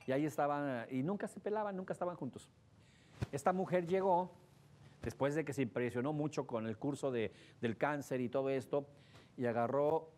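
A man with a Mexican accent gives a lively talk to an audience, telling stories, acting out the voices of the people in them and asking the audience questions. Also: a little high. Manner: animated, acts out voices in his stories, asks the audience questions. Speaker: speaker giving a relationship talk.

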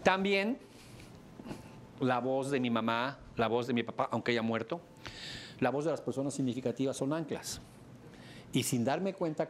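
Mexican instructor, middle-aged man, joking and animated classroom lecture, mid-pitched voice. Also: a little hiss or hum. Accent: Mexican Spanish. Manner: joking, animated, bursts into high exclamations.

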